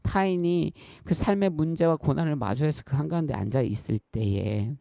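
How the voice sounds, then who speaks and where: This thirty-something pastor's voice is a little high, creaky and dark, moving at normal speed with no room sound. Preaching in a church, he stays earnest and conversational, turning often to the congregation and recounting personal stories.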